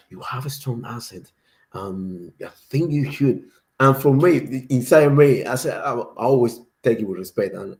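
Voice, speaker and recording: A man's voice: fairly low pitch, a little mellow. A man from Cuba with a Cuban Spanish accent, a native Spanish speaker, telling a story in casual chat with a lot of laughter.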